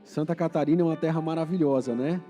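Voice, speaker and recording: Speaking a bit fast in a fairly high, dark-toned voice, a Paraná-accented Brazilian Portuguese preacher addresses his church. The hall sounds large, with faint music behind, and his conversational sermon keeps turning to questions for the congregation.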